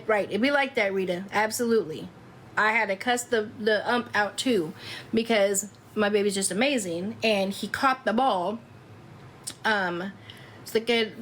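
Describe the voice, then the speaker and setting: A woman in her fifties chatting casually with viewers on a livestream, loud and laughing often. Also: medium pitch, a little hiss or hum. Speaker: live streamer.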